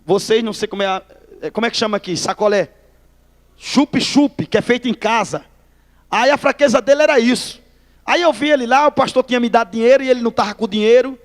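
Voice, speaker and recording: A man's voice: very high voice, fast. A male pastor with a Northeastern Brazilian accent, telling his testimony in a folksy preaching style and calling the listeners brother. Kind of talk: testimony sermon. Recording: long hall reverb.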